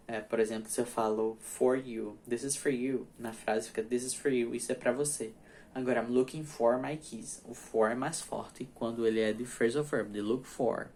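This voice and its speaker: A man teaching English grammar in a recorded class, patiently repeating examples slowly and checking that his students follow. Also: mid-range voice, darkish tone, slight background noise.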